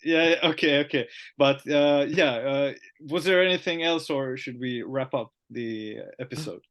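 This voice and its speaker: Finnish-accented male podcast host, chatty and halting, mid-pitched. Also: a bit bright. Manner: chatty, halting with frequent "uh" fillers. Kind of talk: casual podcast conversation.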